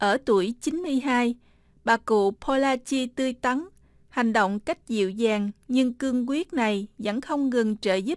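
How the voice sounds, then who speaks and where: A woman speaks at a very slow pace in a high voice with ordinary pitch variation, the sound dry with no echo over a quiet background. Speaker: radio presenter. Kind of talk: scripted narration. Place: studio. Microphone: studio mic.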